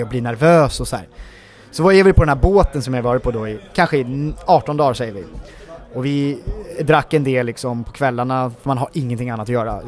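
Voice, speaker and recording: Male actor guest, mid-pitch voice, chatty anecdotes full of fillers. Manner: rambling, many filler words, animated retelling. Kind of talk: casual interview storytelling.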